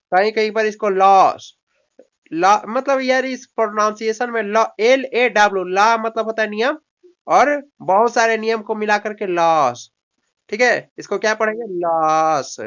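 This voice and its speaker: A man with a high, fairly bright voice tutors a student in English vocabulary, explaining in Hindi. He alternately coaxes and scolds, drilling words through repetition, all captured in a dull lo-fi recording.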